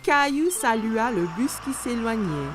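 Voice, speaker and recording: A woman's voice: a little high, expressive, unhurried. A woman reading scripted narration for a children's cartoon story. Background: background music.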